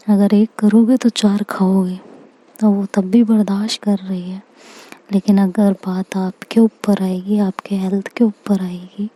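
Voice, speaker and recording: Soft-spoken woman telling a love story. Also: medium pitch, poor audio. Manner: soft, intimate, occasionally whispered. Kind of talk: serialized love story narration.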